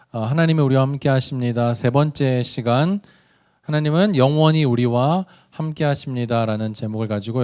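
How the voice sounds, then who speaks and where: A man preaching a sermon as youth pastor in a church service, telling stories in a lively, conversational way and asking the listeners questions. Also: medium pitch. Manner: animated, conversational storytelling; addresses the congregation directly with questions.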